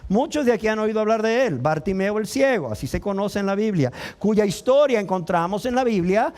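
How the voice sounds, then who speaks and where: A man's voice: high-pitched, animated, a little fast, a little mellow. A male pastor preaching a sermon with passion, often acting out the voices of the people in his story. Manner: impassioned preaching, acting out voices of the crowd and the blind man.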